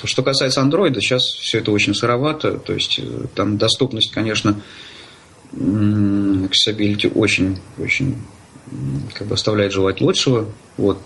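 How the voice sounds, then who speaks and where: A man giving conversational interview answers in a halting, hesitant way, often searching for words. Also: lowish voice, a bit bright, a little hiss or hum. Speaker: interview guest, blind user of assistive technology.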